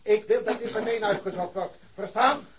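Actor as a shrill, blustering police chief. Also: male voice, normal speed, natural voice. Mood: furious. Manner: barking orders, spluttering, repeating himself. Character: furious, blustering police chief, outraged and commanding. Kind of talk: radio drama acting.

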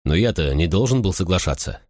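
A man voicing a calm, confident male crew leader in an audiobook, speaking quietly and reassuringly. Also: deep voice, a little fast, dry recording, clean studio sound. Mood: apologetic.

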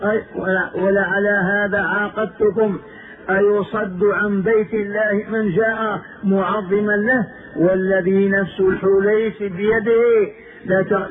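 A man voicing a proud, angry Arab tribal chief who swears oaths slowly and solemnly, on a tinny, phone-like old tape. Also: high-pitched.

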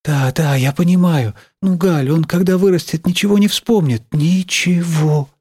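Brief: excitable middle-aged schoolteacher woman, put on by a male reader, shrill and high, recorded dry. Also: moderate pace, breathy edge, no echo. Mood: fussing. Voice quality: raised shrill voice, scolding and fussing. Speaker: teacher. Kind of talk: audiobook character reading.

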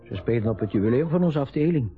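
A man's voice: medium pitch, animated, quick pace, lightly acted. Radio drama father, man in his 60s, vague and hesitant, played by an actor, music behind, lo-fi sound. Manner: hesitant, vague, short answers. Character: forgetful, hesitant retiring father, fond of trains. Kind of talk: naturalistic radio drama acting. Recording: dull lo-fi radio recording with music.

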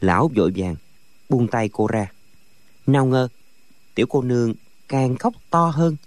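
A man narrating a martial arts novel as an audiobook, with expressive storytelling. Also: medium pitch, a little slow, no echo.

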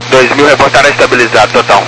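A man's voice: medium pitch, steady tone, rapid-fire. A man speaking as a pilot, giving brief readbacks over a two-way radio. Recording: slightly noisy aviation radio.

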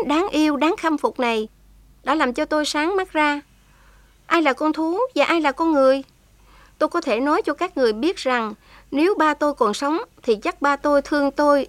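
A woman's voice: sits high, dry recording, pitched above the performer's own voice, close to an everyday voice. A woman voicing a young heroine who is daring and tender, pleading with feeling. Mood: impassioned. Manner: impassioned, tearful pleading.

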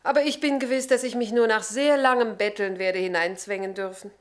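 A woman's voice: medium pitch, steady tone, brisk, natural voice. An actress playing a proud, doubting Christian woman in a German radio play, speaking frankly and thoughtfully. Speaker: actor.

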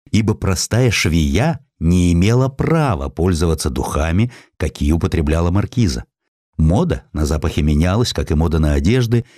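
A man's voice: sits low, darkish tone, no room sound, studio quality. A man narrating a historical essay as a scripted audiobook, reading expressively and acting out the quotes.

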